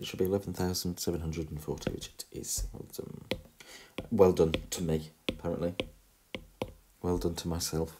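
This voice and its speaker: A man with a very deep, low voice and an English accent mumbles at a moderate pace, his pitch varying in an ordinary way. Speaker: primary school teacher. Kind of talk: maths tutorial. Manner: casual, thinking aloud; mumbling to himself.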